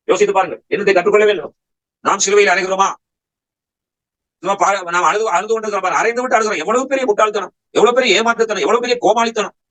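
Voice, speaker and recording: A man's voice: high-pitched, a bit bright, rough recording. A man preaching a Bible study sermon, firing rhetorical questions at his listeners and pressing his points with emphatic exhortation.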